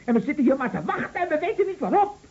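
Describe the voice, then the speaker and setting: An actor playing an anguished bedridden husband in a Dutch radio play, brooding and halting, often repeating his words and dropping to whispers. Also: extremely high pitch, sing-song, a little mellow, full character voice. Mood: dazed, distraught. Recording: dull, noisy old radio recording.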